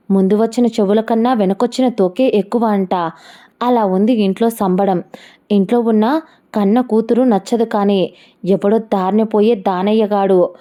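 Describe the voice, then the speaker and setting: A woman voicing a proud, angry young woman who speaks in a sharp, taunting, defiant way. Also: medium pitch, close to an everyday voice. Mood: resentful.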